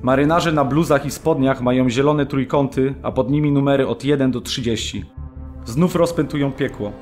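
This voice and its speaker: A man's voice: medium pitch, moderate pace, a little mellow, lightly acted. Sorrowful prisoner narrator male actor, radio drama, middle register, music underneath.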